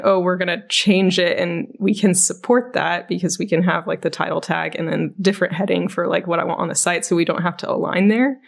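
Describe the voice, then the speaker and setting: A woman's voice: on the low side, vocal fry. A woman chatting casually as a podcast co-host, musing and questioning in a tentative way. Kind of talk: casual panel chat.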